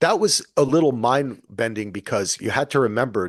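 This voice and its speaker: A man's plain, everyday voice, medium in pitch with ordinary pitch variation, at a moderate pace, dry and close with no echo against a quiet background. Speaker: podcast co-host. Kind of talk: casual chat.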